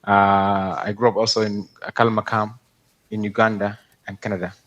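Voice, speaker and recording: A man's voice: fairly low pitch, flat delivery, moderate pace, a bit bright, muffled recording. A man, originally from Darfur, giving careful, hesitant testimony to a court over a video call. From Sudan, Darfur. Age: 20s. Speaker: victim testifying.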